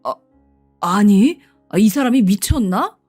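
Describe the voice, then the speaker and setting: A woman's voice: medium pitch, animated, slow, a little mellow, slightly rough. A woman voicing an older male company chairman who speaks in a commanding yet familiar way, over faint background music.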